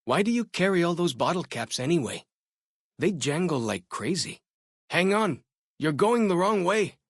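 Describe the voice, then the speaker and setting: A man's voice: a little high, big pitch swings, normal speed, dry recording, studio quality. A man playing a friendly, curious young tribal scout and guide in a video game, chatty and folksy. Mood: urgent. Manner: folksy, chatty, inquisitive, easygoing phrasing. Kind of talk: video game companion dialogue.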